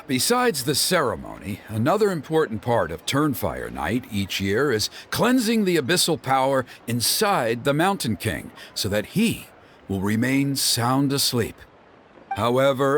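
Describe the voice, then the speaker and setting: A man's voice: mid-range voice, a bit bright, slight background noise. An actor playing a middle-aged tribal elder and protective father in a video game, formal and theatrical, stammering when flustered. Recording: game music behind the voice. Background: game background music.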